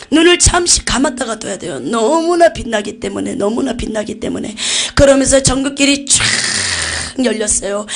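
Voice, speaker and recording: A woman pastor with a Jeolla Korean accent delivers an emotional testimony to her congregation. Her voice sits on the higher side. She swings between hushed, whispered passages and fervent, shouted exclamations.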